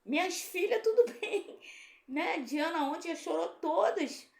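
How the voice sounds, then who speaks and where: A woman's voice: extremely high pitch, expressive, unhurried, creaky, darkish tone, reverberant. A woman pastor, giving a heartfelt personal testimony in a conversational preaching style full of rhetorical tags.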